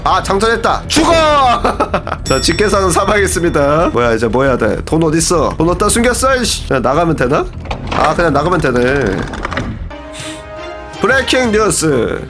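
Excitable young man voicing game play. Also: on the high side, normal speed, music in the background. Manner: excitable, shouting and laughing at the game. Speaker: gaming streamer. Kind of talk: game commentary.

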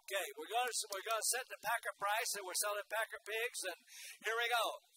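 A man's voice: sits high, fairly even intonation, a little fast, bright, forceful tone. An older man works as a livestock auctioneer, folksy and rhythmic in his announcements and chanting. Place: indoor livestock show arena. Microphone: microphone at auction stand. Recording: clear background arena noise.

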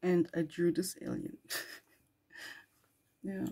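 A woman with a hoarse, worn voice who is losing it, chatting casually while flipping through her journal and clearing her throat often. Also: on the low side, wildly swooping pitch, takes it slowly, mellow. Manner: rambling, chatty with small laughs and throat clearing. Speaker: journal vlogger.

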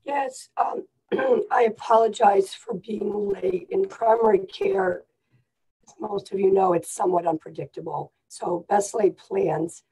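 A woman, a primary care clinician speaking earnestly at a committee meeting over a video call, her voice hoarse and sometimes dropping to a whisper. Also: mid-range voice, lively intonation, unhurried, mellow, low-quality recording. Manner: earnest, restarts phrases, sometimes drops to a whisper. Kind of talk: remote committee meeting remarks. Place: home office with bookshelves. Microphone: laptop video call.

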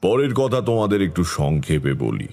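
A man's voice: sits low, very animated, normal speed, vocal fry, mellow, faint music behind, full character voice. An actor playing a grave occultist who recounts his eerie past in a horror audio drama. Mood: grave storytelling.

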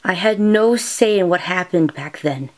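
A woman voicing a bitter, sharp-tongued, haunted young woman with intense, reproachful delivery in an anime drama style. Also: fairly low pitch, expressive, a little slow.

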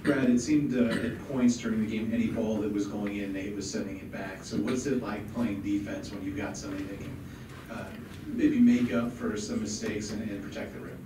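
Lowish male reporter, very echoey and distant. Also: steady tone, fairly quick. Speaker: sports reporter. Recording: very echoey room, far from mic, background noise.

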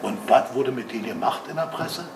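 An older man from Berlin talks emphatically in a plain, everyday way. He is picked up from a distance in an echoey room. Steady background noise runs under his voice. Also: medium pitch, fairly quick. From Berlin, Germany. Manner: emphatic, colloquial. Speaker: audience member. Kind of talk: opinionated audience comment. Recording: echoey room, voice from far off, noisy.

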